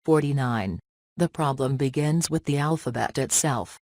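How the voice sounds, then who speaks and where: A man's voice: mid-range voice, moderate pace, darkish tone, no echo, studio quality. A man reading scripted practice passages aloud in a stilted way, dropping some word endings.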